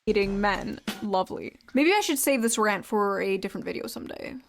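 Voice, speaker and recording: A woman's voice: medium pitch, lively intonation, a little fast, vocal fry, soft background music. A woman giving opinionated online video commentary in a sarcastic, mocking manner.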